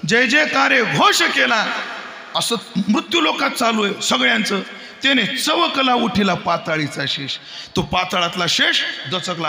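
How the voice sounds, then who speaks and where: High bright-voiced Marathi kirtan preacher. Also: male voice, vocal fry. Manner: jokes with the crowd, breaks into loud chanted verse. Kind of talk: devotional kirtan sermon with sung verses. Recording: echoey hall with music.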